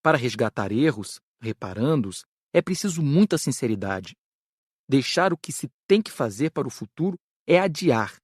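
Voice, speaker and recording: Casting: male actor as earnest Brazilian spirit doctor, audiobook lecturer, mid pitch, careful diction, dry close sound. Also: very animated, breathy edge, no room sound. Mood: measured, instructive. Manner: measured, didactic, careful enunciation. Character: Frederico, earnest spirit doctor teaching karma.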